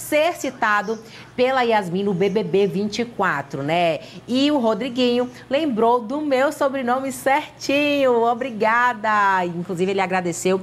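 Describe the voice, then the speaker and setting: A woman talks with lively intonation. Her pace is very slow. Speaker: TV presenter. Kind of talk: gossip news commentary. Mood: amused, lively. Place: studio. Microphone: lapel.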